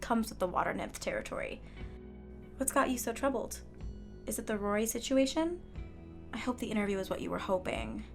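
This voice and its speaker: Woman acting creaky, gentle water nymph nurse. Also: on the high side, sing-song, brisk, long pauses, faint music behind. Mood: gentle, sympathetic. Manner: soothing, considerate, conversational. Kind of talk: naturalistic audio drama acting.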